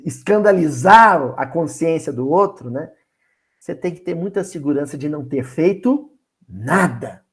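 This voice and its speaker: A man with a Minas Gerais Brazilian accent giving an expressive Bible study talk. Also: a little high. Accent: Minas Gerais Brazilian Portuguese. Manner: animated and expressive, slow and emphatic. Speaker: spiritist Bible study speaker.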